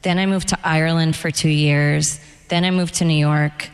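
A middle-aged American woman, an author and guest, talking in a reflective, candid and measured way at a live event interview in a hall. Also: sits low, steady tone, clean tone, soft background music. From United States.

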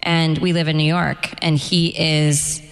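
A woman's voice: low-pitched, flat delivery, slow, vocal fry. A middle-aged woman novelist speaking candidly on stage about her life and work, with wry humor. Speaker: novelist being interviewed. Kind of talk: onstage author conversation. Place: event stage before an audience. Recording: echoey hall, long reverb.

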